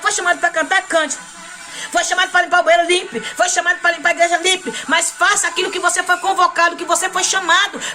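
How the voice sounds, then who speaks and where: Over music in the background, a woman speaks at a very fast pace in a raised, projected voice, her pitch extremely high and her intonation fairly even. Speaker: missionary preacher. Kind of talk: sermon. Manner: loud.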